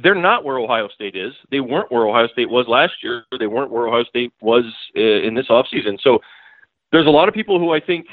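A man's voice: medium pitch, animated, fairly quick, no room sound. A man, a newspaper beat writer, talking as a podcast guest in a blunt, emphatic way that keeps hammering the same point. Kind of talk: casual podcast interview. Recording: tinny phone line.

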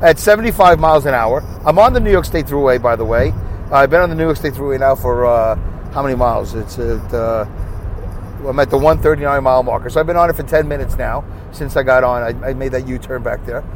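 A man with a Brooklyn accent hosting a rambling, self-mocking podcast from his car while driving on a highway. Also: quick pace. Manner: chatty, self-mocking, stream of consciousness. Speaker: podcast host. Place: inside a moving car on a highway. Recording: faint car road noise. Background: road and engine noise.

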